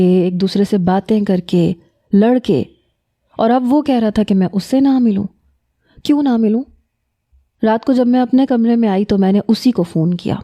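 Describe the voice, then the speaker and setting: A woman narrating a first-person story in a calm, steady storytelling manner. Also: medium pitch.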